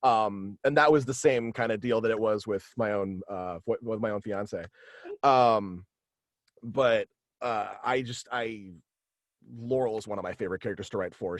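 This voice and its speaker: A man talking casually as an interview guest on a video call, halting and animated in manner. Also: lowish voice, no room sound, studio quality. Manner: halting and animated, slipping into quoted dialogue. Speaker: guest, voice actor and author. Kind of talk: casual interview chat about own radio play. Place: indoors at home, on a video call.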